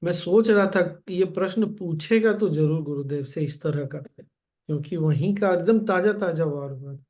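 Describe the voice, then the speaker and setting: A man giving a gentle spiritual discourse as a teacher, calmly addressing his listeners directly. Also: on the high side, normal speed.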